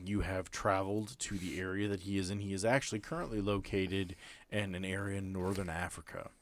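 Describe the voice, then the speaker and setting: A man acting as game master, narrating a tabletop role-playing game in a deliberate, descriptive way with pauses mid-sentence. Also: low voice, little pitch movement, slight background noise. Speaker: game master and host of an actual-play podcast. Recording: background music under the voice.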